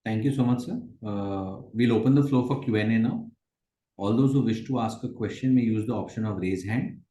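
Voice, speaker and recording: A man's voice: fairly low pitch, brisk, warm tone. A man moderating a conference call in a formal, polite and procedural way. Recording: roomy, echoing call audio.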